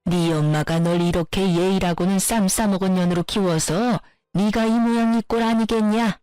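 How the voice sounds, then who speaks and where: A woman voicing a scornful, bullying older mother-in-law who scolds and insults her daughter-in-law in a lower, slower voice. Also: darkish tone, no room sound, soft background music, lightly acted. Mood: yelling abuse.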